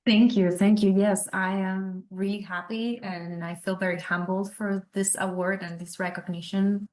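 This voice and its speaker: A woman's voice: medium pitch, little pitch movement, moderate pace, darkish tone. Young Argentine-accented woman, Spanish first language, sincere graduate guest on a video call. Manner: earnest, careful, grateful. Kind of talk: interview over video call.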